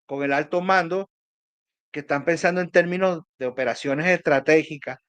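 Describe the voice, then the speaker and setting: Emphatic higher-voiced man with Venezuelan accent. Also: moderate pace, fairly bright tone, clear, resonant tone, dry recording. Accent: Venezuelan Spanish. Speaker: political analyst. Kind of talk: animated political discussion, conversational.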